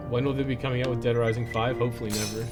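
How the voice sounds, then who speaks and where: Over game music, a man with a steady, mid-range voice talks at a racing clip while livestreaming a video game, keeping it loose and informal and swearing now and then.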